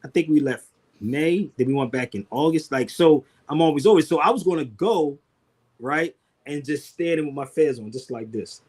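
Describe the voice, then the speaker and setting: A man's voice: fairly high pitch, moderate pace, a little mellow, husky. A man telling loose, joking stories full of slang on a casual video call. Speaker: guest.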